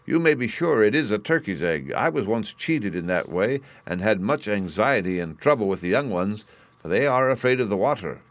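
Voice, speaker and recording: A man's voice: lowish voice, lively intonation, moderate pace, no room sound. A man voicing a bossy old female duck who visits and gives advice with a know-it-all manner in a storybook reading. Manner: bossy, knowing.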